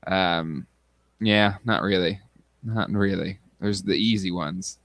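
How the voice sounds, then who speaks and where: A man's voice: deep voice, slow pace, fairly bright tone, no echo. A man in his thirties co-hosting a casual chat, hesitant with many fillers. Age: 30s. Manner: hesitant, lots of fillers, reads aloud. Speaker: podcast co-host.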